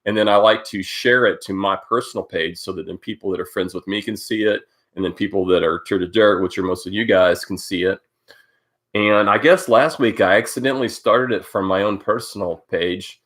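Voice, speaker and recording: A man with a very low voice, stuffed up from a cold, hosts a casual live stream into a close webcam at home. He rambles loosely, greeting viewers one by one with plenty of "um"s and "uh"s. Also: fairly even intonation, a little fast, fairly bright tone. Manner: rambling, greeting viewers by name, many fillers. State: congested from a cold. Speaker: host of a live cycling update stream.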